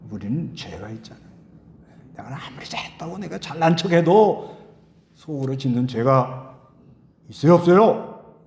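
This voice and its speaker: A man's voice: fairly high pitch, animated, moderate pace, pauses often, a little mellow. A middle-aged male pastor giving a conversational sermon and putting questions to the congregation.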